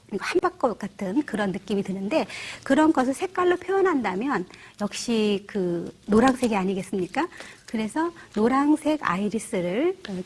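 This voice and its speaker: A middle-aged woman demonstrates flower arranging in a gentle, explanatory way. Her voice is slightly husky and sits a little high, and her pitch moves a lot as she talks. She often turns to the viewer with questions. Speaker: church flower arranging instructor. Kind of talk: instructional demonstration.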